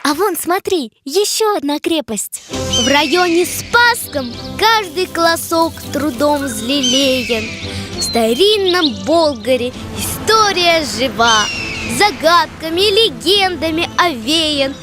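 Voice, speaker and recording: A woman's voice: high-pitched, animated, slow pace. A woman playing a curious, eager young female companion in an educational cartoon for children, speaking expressively. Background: music.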